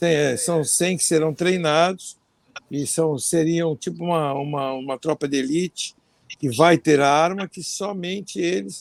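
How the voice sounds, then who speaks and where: High, normally varied pitch from a man. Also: dry, close sound with no echo. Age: 60s. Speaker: business association president. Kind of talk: panel debate.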